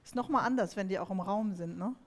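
A middle-aged woman hosting an interview, softly reacting and asking questions. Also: mid-range voice, fast talker. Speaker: host. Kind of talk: casual interview.

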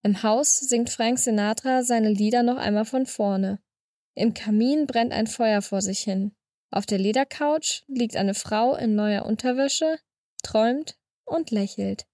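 A woman narrating a short story in a calm, measured reading voice on a close studio mic. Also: a little high, dry recording. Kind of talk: scripted narration.

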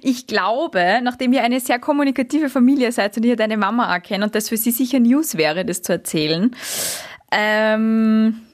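A woman's voice: a little high, moderate pace. A woman, co-hosting a casual chat and telling stories with playful, dry irony. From Austria. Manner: playful, dry ironic humor. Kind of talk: casual chat, storytelling game.

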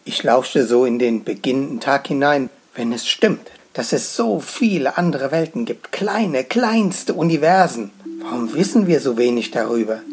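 A man narrating his own story as a guest storyteller, in a gentle, expressive telling. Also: medium pitch. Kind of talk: first-person story narration.

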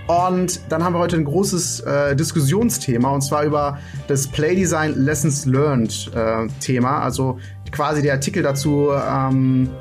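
A man co-hosting a casual podcast, talking in a relaxed way with hesitations and fillers. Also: fairly high pitch, a little slow, hardly any pauses, soft background music. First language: not English. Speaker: podcast co-host.

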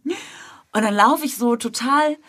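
A woman in her thirties co-hosting a podcast, telling a story in a lively way, acting out what people said and laughing loudly and often. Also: on the high side, unhurried, dry recording, studio quality. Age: 30s. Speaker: podcast co-host. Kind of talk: casual chat, storytelling.

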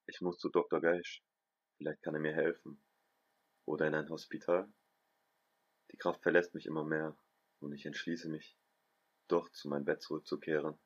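A man reading a first-person story aloud in a calm, even storytelling voice. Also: very deep voice, lo-fi sound. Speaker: guest narrator, host's brother.

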